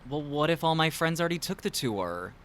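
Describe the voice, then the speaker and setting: A man playing a goofy, laid-back adolescent boy in an audio drama, with a hesitant, deadpan manner. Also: fairly high pitch, a little fast, a little hiss or hum.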